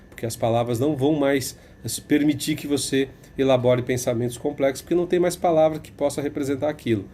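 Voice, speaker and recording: A man with a Brazilian Portuguese accent delivers a sarcastic opinion monologue, hammering his points by repeating them. His voice is mellow and warm, of middling pitch, with faint noise in the background. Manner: emphatic, sarcastic, repeats phrases for effect. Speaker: commentator.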